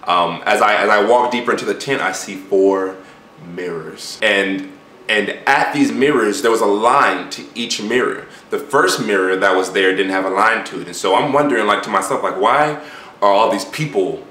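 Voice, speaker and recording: A man recounts a dream in a casual, puzzled and musing monologue. His voice is fairly low but bright and forward, and he rambles conversationally with slangy asides. The room is echoey, with faint noise behind him. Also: normal speed. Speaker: YouTuber recounting a dream to viewers.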